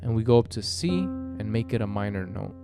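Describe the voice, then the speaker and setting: A man giving a casual piano lesson, explaining step by step in a halting way with frequent check-ins. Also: lowish voice, expressive, vocal fry. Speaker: piano tutor. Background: piano chords played alongside the voice.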